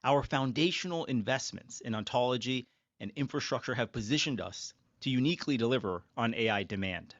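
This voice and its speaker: A man's voice: mid-range voice, lively intonation, brisk, a bit bright, no echo, lo-fi sound. A man speaking as a company executive on an earnings call, delivering scripted remarks assertively and with emphasis.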